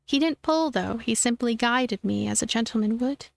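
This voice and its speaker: A woman doing expressive story narration for a visual novel let's play. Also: fairly high pitch, normal speed, gravelly, dry recording. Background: game music.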